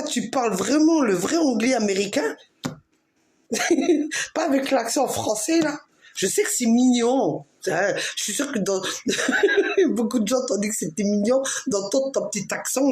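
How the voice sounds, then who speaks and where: A woman's voice: fairly high pitch, darkish tone. A woman from France rambling casually to camera as a vlogger, often breaking into giggles and talking straight to the president.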